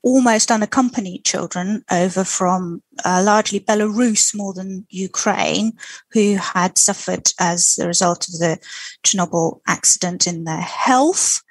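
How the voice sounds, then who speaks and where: A woman's voice: mid-range voice, a little slow, husky, dry recording, rough recording. A middle-aged woman from Russia, a native Russian speaker with near-native English, answering a local radio interview in a thoughtful way with frequent ums.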